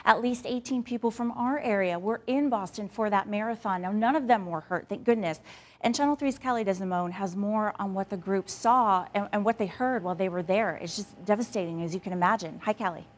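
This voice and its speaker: A woman's voice: medium pitch, a little fast. A woman anchoring a live local morning TV newscast, talking to viewers directly in a conversational way.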